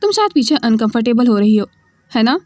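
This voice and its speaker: A woman's voice: a little high, big pitch swings, brisk, a little mellow, no room sound. A woman voicing a strict male professor in his thirties, speaking in short, commanding orders. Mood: stern. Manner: curt, commanding.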